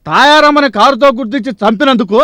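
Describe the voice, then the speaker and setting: An actor playing an alarmed henchman rushing in with bad news, in a 1980s film drama. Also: very high-pitched, no room sound. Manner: excited, alarmed.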